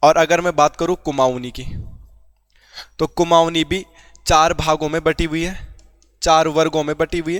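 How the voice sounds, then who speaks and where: Fairly high-pitched male speech in a Garhwal accent, monotone and flat, with long, frequent pauses and a dry, close sound with no echo. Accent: Garhwali-accented Hindi. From Garhwal, Uttarakhand. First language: Garhwali (speaking Hindi). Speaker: exam-prep teacher. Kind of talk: online class lecture. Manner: conversational, with fillers.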